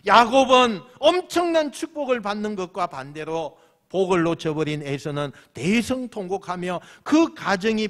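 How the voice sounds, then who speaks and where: A male senior pastor preaching a sermon emphatically, repeating phrases and putting questions to the congregation. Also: high voice.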